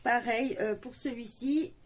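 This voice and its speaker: A woman's voice: fairly high pitch, a little slow, slight background noise. A woman chatting casually as she unboxes a parcel of coloring books, full of fillers and delighted little exclamations. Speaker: coloring book haul vlogger.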